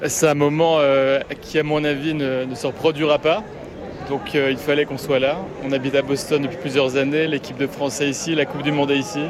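A football fan answering a reporter's questions outdoors on a city street, in short relaxed replies. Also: male voice, mid-range voice, a little fast. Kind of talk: street interview. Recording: busy street with crowd. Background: crowd of fans.

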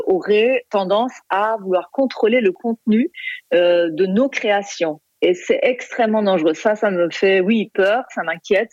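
A woman's voice: medium pitch, a little mellow, dry recording. A woman from Iran, a film director, answers radio interview questions hesitantly, with many fillers and restarts. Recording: dull lo-fi line.

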